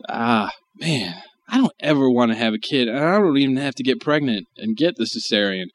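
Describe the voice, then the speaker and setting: A man's voice: medium pitch, animated, brisk. A man hosting a comedy podcast, reading articles aloud and riffing with crude jokes while chuckling. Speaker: podcast host. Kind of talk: casual comedy podcast chat.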